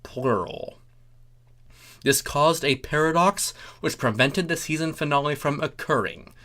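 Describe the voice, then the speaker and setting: A narrator reading comic fan fiction aloud in a deliberate, theatrical way, with wry asides. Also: medium pitch, fairly bright tone. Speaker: narrator, story reader.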